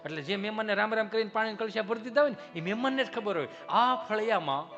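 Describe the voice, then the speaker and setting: A man performing folk stand-up comedy, telling animated stories and acting out the people in them. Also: high-pitched, fast talker, in a large hall, highs cut off. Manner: animated, acts out city guests and villagers in put-on voices. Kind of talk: Gujarati folk stand-up storytelling.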